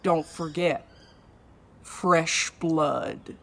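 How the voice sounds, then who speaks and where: Woman playing a menacing, low-voiced commanding conspirator. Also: steady tone, heavy background noise, exaggerated voice. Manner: curt, menacing, deliberate. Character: commanding, ruthless conspirator giving orders to underlings. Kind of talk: audio drama acting.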